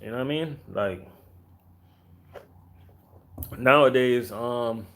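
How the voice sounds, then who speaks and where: A man's voice: medium pitch, takes it slowly, fairly bright tone. A laid-back man from Jamaica, chatting casually and rambling to viewers on a live stream, full of fillers and repeated questions to his audience. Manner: laid-back, rambling, many fillers and "you know what I mean".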